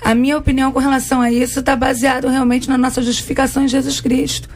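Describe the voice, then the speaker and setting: A woman with a Brazilian Portuguese accent, her voice hoarse and worn after a conference. She pitches high and speaks in a steady, earnest preaching tone on a radio panel. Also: fast talker, a little hiss or hum. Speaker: assistant pastor, debate guest. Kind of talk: radio debate.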